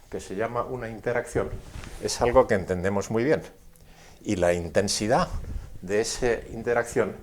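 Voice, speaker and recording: A man with a fairly low voice lectures on science at a board. He goes through each step deliberately, in a didactic way, and sets up his points with rhetorical questions. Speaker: physics lecturer explaining at a board.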